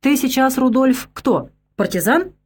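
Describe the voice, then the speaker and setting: A woman's voice: sits high, animated, a little slow, a little mellow, husky, voice pushed up, heavily acted. A woman voicing an irritated partisan man who presses with short, pointed questions. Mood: irritated pressing.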